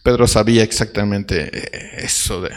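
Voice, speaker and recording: Male pastor, sermon, deep voice, direct questions to the church. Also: steady tone, moderate pace.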